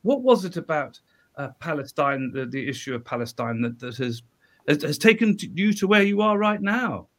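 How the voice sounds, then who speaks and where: Hesitant male interviewer, slightly high voice. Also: very animated, moderate pace, a bit bright. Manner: hesitant, wordy, repeats words while forming questions. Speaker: host, interviewer. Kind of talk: live online interview.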